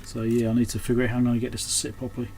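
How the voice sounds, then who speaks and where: A man's voice: mid-range voice, completely flat delivery, very fast, dark tone. A man giving casual, unscripted hands-on repair commentary, thinking aloud as he works. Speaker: host of an electronics repair channel. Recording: clearly noisy background.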